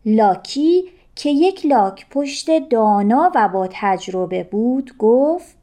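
A woman narrating a children's story in a gentle, expressive reading. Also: fairly high pitch.

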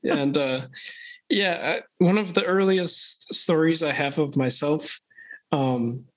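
A young man from Thailand, a podcast guest, talking in a slow, hesitant, thoughtful way with many restarts. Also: on the high side, poor audio. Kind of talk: casual interview chat.

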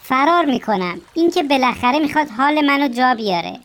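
A woman's voice: high-pitched, lively intonation, a bit bright, voice pushed up. A woman playing a panicky frightened lion. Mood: panicked. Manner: panicked, raised. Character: frightened fleeing male lion. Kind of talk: children's storybook reading.

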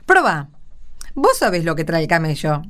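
Woman playing lively, curious Roman woman. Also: sits low, moderate pace, exaggerated voice. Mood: curious, coaxing. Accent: Argentine. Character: curious Roman woman coaxing others to tell stories. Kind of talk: amateur radio play.

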